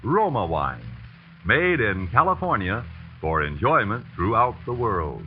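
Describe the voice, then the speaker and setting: A man reading a 1940s radio commercial as announcer, smooth and polished. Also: lowish voice, sing-song, unhurried, faint music behind. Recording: dull old radio broadcast.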